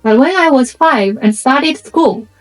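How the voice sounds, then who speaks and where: A woman from China with a Chinese accent and a Chinese dialect as her first language, narrating a reflective scripted video essay in measured, explanatory short phrases. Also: high voice, animated, faint music behind, low-quality recording.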